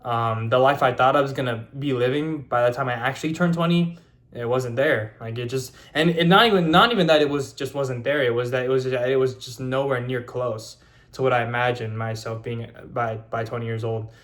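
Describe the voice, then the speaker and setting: A man's voice: medium pitch, fairly even intonation, a little fast, a bit bright. A young man in his early twenties speaks straight to his camera with a mid-range voice. He rambles loosely and leans on fillers, restarting his sentences as he goes. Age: 20s. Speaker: YouTuber. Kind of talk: casual vlog monologue.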